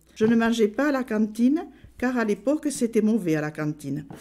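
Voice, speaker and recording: A woman's high voice with a dark, mellow tone. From southwest France, Auch (Gers). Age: 70s. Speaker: elderly resident recalling memories. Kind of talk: reading aloud.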